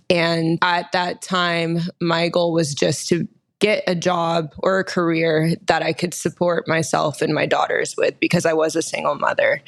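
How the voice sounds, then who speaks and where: Woman, 30s, from Texas; podcast guest, candid and quick, slightly low voice. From Austin, Texas, USA. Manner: candid, quick, laughs often while telling her story. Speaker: guest, nurse injector. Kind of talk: casual podcast interview.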